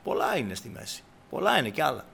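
A man preaching a sermon to his congregation, breaking into loud cries and then dropping back to a low, quiet voice. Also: very animated, creaky, breathy edge. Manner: shouts in bursts, then drops to a low, quiet tone; addresses the congregation as brothers.

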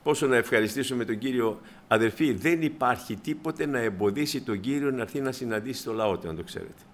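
A man preaching a sermon, telling stories in a lively way and acting out the people in them. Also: mid-range voice. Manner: animated storytelling, acting out the people in his stories.

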